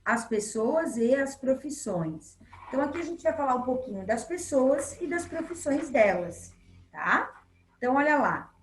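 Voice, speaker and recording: A woman's voice: sits high, big pitch swings, normal speed. Brazilian woman, primary school teacher, patient and encouraging, talks to kids on video, room echo. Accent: Brazilian Portuguese. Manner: patient and encouraging, checking in with frequent "tá?". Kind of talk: recorded remote lesson for young children.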